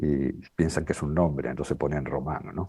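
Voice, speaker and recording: A man's very deep, low voice carries fairly even intonation at a moderate tempo. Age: 60s. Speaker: regression therapist and psychologist. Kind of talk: conference talk. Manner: hesitant, many fillers.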